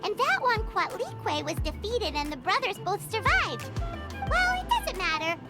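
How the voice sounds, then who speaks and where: Squeaky tiny game fairy, talks about herself in third person, lively, music loud behind. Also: female voice, moderate pace. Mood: chirpy. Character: tiny floating female fairy companion, chirpy.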